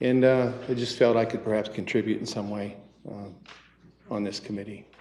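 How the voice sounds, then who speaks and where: A man with a fairly low pitch talks at a fairly quick pace with fairly even intonation. His loudness swings widely, and audible room echo is present. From Sioux City, Iowa, US Midwest. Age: 60s. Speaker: restaurant owner, board applicant. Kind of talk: public meeting statement.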